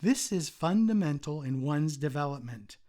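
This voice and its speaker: A man, a retired umpire, giving a formal prepared presentation at a convention in a measured, read-aloud way. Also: fairly high pitch, expressive, warm tone.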